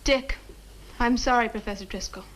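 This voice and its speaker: Actress as high-voiced, earnest young student. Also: female voice, normal speed, slight background noise, lightly acted. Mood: embarrassed. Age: young adult. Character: earnest, determined young female college student. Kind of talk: 1960 horror film acting.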